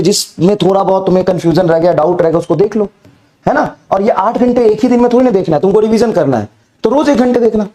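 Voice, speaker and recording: A male teacher talks a recorded class through a fever. His somewhat high voice is soft and mellow, and it keeps cracking. He speaks with low energy, repeats points, and coaxes students with rhetorical questions. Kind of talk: recorded online class lecture.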